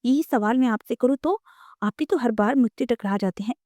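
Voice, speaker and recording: Woman doing a pouty young woman, petulant, higher voice, mellow tone, dry sound, audio novel. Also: no room sound, natural voice. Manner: petulant, high-pitched complaints.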